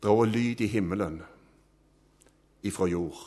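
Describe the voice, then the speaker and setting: Emphatic male preacher in sermon. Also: husky. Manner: emphatic, with swells of loudness and soft low endings.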